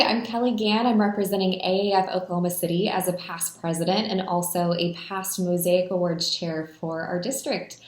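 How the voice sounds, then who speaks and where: A woman's voice: fairly low pitch, a little mellow. A woman, a past association president, giving a sincere recorded congratulatory message. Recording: echoey room.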